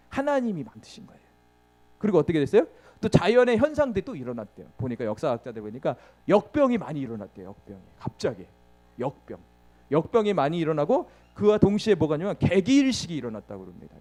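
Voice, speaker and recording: A man's voice: a little high, mellow. A man preaching a sermon, asking the congregation questions and answering them himself, acting out the story with sound words and laughing often.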